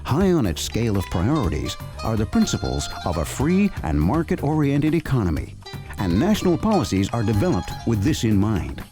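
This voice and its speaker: A man's voice: lowish voice, huge pitch swings, normal speed. A man giving polished, scripted documentary narration as a program narrator. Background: music bed.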